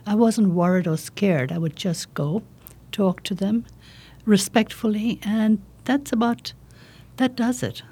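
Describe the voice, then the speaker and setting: A woman in her fifties speaks with a slight South Asian accent and a soft-edged, husky tone. She gives earnest, conversational interview answers in deliberate short phrases, her timbre dark and mellow. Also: mid-range voice. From India and Pakistan. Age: 50s. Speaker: political candidate, interview guest.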